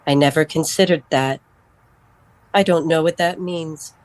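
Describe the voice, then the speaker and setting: A woman playing a calm, literal android woman. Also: sits low. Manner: measured, matter-of-fact. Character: calm female android steward, literal-minded. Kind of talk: radio drama acting.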